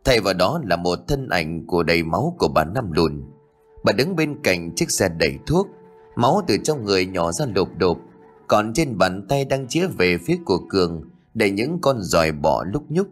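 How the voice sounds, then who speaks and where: Low-voiced man narrating a ghost story. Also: sing-song, normal speed. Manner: reads all characters' lines in a lightly shifted voice. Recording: faint music behind.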